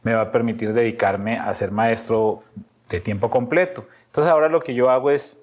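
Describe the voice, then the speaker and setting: A middle-aged man with a Paisa accent from Colombia, a pastor, speaks at an easy mid pitch. He tells long stories, laughs often, and repeats phrases as he goes. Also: moderate pace, a little mellow. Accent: Colombian Paisa (Antioquia). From Colombia, Medellín. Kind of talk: relaxed storytelling interview.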